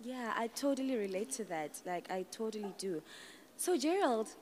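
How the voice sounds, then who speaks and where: A woman's voice: on the high side, expressive, moderate pace, a little mellow, slight background noise. A young woman hosting live radio from an open event booth, chatty and eager as she brings in her guests. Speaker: radio host. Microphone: table mic on a stand with headphones.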